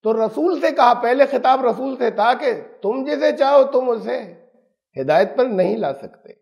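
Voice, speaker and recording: A man's voice: extremely high pitch, lively intonation, gravelly, darkish tone. A man giving an emphatic, explanatory religious lesson on scripture. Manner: explanatory, emphatic, uses everyday examples. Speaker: Quran teacher.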